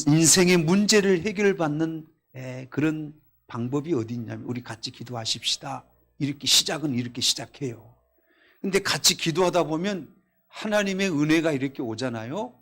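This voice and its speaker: A man preaching a Korean sermon at a Friday night service, reading scripture aloud, telling stories and asking the congregation questions, swinging between loud exclamations and quiet asides. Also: on the high side. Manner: reads scripture in a raised voice. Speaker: pastor. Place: church.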